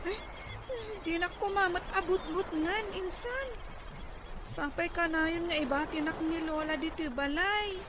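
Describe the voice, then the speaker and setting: A woman's voice: very high-pitched, unhurried, noisy background. A woman playing an earnest, protective younger relative with a Filipino accent in an Ilocano audio drama. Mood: shy.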